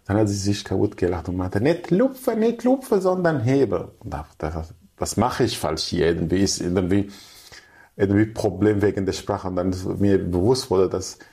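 A man's voice: deep voice, steady tone, fairly quick, mellow. A young man from Syria, chatting as an interview guest in fluent but German, with many restarts. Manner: fluent but non-native, restarts, acts out quoted people. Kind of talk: casual interview chat.

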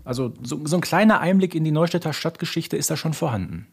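A man's voice: a little high, animated, fast, husky. A man co-hosting a fan podcast, chatting casually and explaining things with close attention to detail. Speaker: podcast co-host.

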